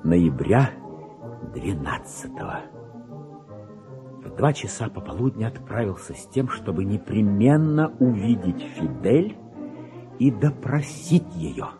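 An actor playing an excitable, self-important, paranoid petty clerk in a theatrical radio monologue, with a husky voice and volatile delivery that swings between confiding and outbursts. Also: male voice, on the low side, slow, long pauses, music in the background, full character voice. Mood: fussy disgust. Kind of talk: dramatic monologue reading in a radio play.

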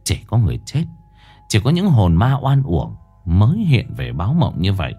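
A man reading a ghost story aloud in a dramatic, expressive way. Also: on the low side, moderate pace, slightly rough, faint music behind. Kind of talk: scripted horror story narration.

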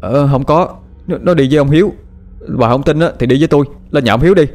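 A man's voice: fairly high pitch, faint music behind, voice pushed up, natural voice. A man doing a frantic young village drifter. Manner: fast, loud, defensive protesting.

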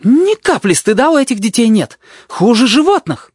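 A man voicing a stern, easily outraged woman nurse who scolds in a shrill, indignant voice. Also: sing-song, normal speed, no room sound, clean studio sound. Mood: scolding.

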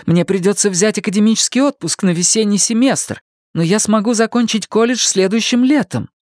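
A man voicing a calm young woman student who speaks softly and firmly. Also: high-pitched, dry recording, studio quality, voice pushed up, lightly acted. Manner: soft, measured, quietly firm.

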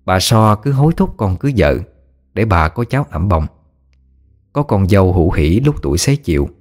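A man with a Southern Vietnamese accent narrating a village story in a steady, unhurried way. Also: deep voice, faint music behind.

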